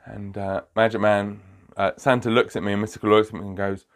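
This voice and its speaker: A man's voice: lowish voice, flat delivery, a little fast. Chatty man telling a comic story. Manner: chatty, laughs often, digresses. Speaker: magician podcast host.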